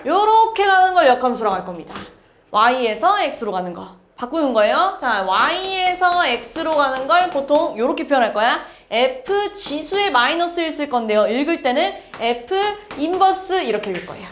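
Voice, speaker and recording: High, lively woman teaching math. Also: a little hiss or hum. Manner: lively, checks understanding with quick questions. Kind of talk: classroom lecture. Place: classroom. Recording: echoey classroom.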